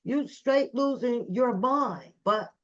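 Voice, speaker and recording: A woman's voice: on the high side, slow pace. An American woman hosting a casual livestream, commenting on video clips indignantly and repeating phrases for emphasis. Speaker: livestream host. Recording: dull, lo-fi livestream audio.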